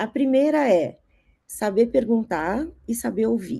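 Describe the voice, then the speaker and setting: A woman speaks at a fairly slow pace in a dark, mellow tone. Her pitch swings very widely. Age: 60s. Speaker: strategy planning teacher. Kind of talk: online live talk. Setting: online live stream.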